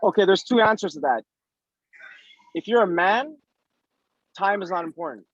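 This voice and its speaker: A man in his thirties with a quite high voice for a male speaker answers casually as an interviewee. He explains emphatically, repeating himself and posing rhetorical questions. The sound is dry and somewhat muffled. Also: animated, moderate pace, no echo. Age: 30s. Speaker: interviewee giving career advice.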